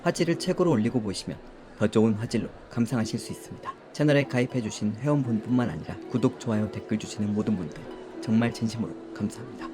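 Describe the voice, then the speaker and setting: A man's voice: on the low side, over music. A man politely reading a scripted channel notice and thanks to viewers. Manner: polite, brisk. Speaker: channel announcer.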